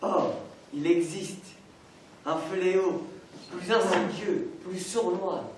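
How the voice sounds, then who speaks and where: A solemn head of state speaks slowly and grandly in a somewhat high voice, as a young man plays him on a school stage. He is heard from far off in a very echoey hall, with faint noise. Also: steady tone, darkish tone. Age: teenage. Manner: slow, solemn, oratorical. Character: solemn male head of state giving a formal address.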